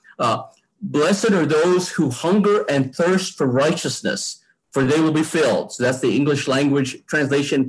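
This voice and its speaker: A man with a normal speaking voice talks at a moderate pace in an American accent. His pitch is fairly high, with ordinary variation and very even loudness. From United States. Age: 50s. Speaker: guest preacher. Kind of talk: sermon. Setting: video call.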